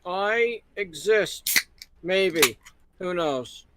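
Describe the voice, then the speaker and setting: A man with a somewhat high voice talks casually on a group call, recorded close and dry with no room sound. He comes across as a wry panelist who jokes deadpan. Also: extremely slow, no room sound. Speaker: livestream panelist. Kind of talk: casual chat.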